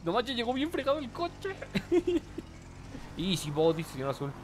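A man's voice: sits high, huge pitch swings, fairly quick, a little hiss or hum. A young man with a Mexican accent commentating a live game stream, joking in slang and greeting viewers from the chat. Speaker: gaming streamer.

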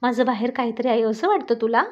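A woman's voice: on the high side, quick pace, darkish tone, lightly acted. A woman voicing a playful, teasing young husband in a storybook reading, with a coaxing manner. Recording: dull lo-fi recording.

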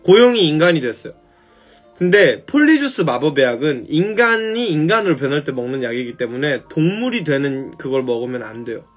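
Man, casual story retelling, husky, slightly high voice, phone live stream. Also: sing-song, a little fast, soft background music. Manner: loose, chatty, swears casually.

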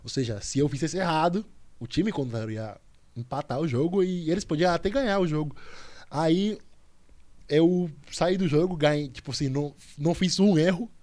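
A young man, a podcast guest telling a story in a lively, slangy way, full of restarts and repeats. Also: on the high side, normal speed. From Cuba. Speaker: podcast guest, volleyball player. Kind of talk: casual storytelling chat.

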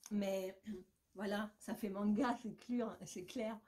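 A chatty woman talks through a beauty box unboxing in a relaxed, casual way. Her voice sits at an ordinary middle pitch. She gushes, hesitates and drifts into asides as she goes. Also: slow pace. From France. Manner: chatty, enthusiastic, many fillers and asides.

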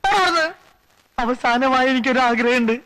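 Very high-voiced hapless sidekick. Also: male voice, fairly quick, pushed and bright, rough recording. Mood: whining. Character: hapless, whining, slow-witted comic sidekick. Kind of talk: film comedy acting.

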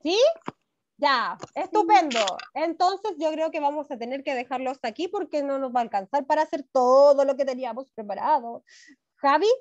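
A woman's voice: high-pitched, moderate pace, darkish tone. A woman with a Chilean accent teaching a first-grade class online, affectionate and encouraging with her pupils. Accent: Chilean Spanish. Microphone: video call. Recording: dull lo-fi video call audio.

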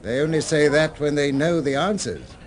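An actor in a radio drama playing a courteous, solicitous but sceptical gentleman with a polite, inquisitive manner. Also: a little high, expressive, normal speed, natural voice. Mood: puzzled, probing.

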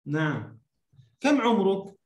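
A man speaks as a language teacher. His voice is on the low side and rings in a roomy, echoing space. He enunciates each phrase deliberately, prompting and repeating for a beginner. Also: sing-song. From Egypt. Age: 30s. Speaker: Arabic teacher. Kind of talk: beginner language lesson to one student. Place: small indoor room, video call. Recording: roomy echoing online-call sound.

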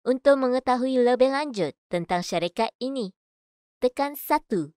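A woman reading scripted voice-over in a measured, clearly enunciated way. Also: sits high, animated, darkish tone, no room sound, studio quality. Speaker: voice-over artist. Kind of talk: scripted voice-over demo: adverts, narration, announcements.

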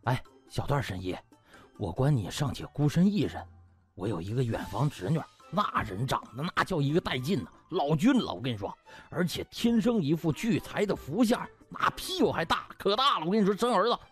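Effusive rustic villager played by a male narrator, folksy and colloquial, highly animated audiobook comedy. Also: fairly quick, husky, soft background music. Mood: eager, folksy. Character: effusive rustic villagers praising a young doctor.

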